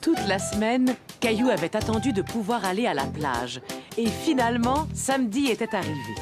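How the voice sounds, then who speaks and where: A woman narrating a scripted children's story in an expressive storytelling manner. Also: medium pitch, moderate pace, over music.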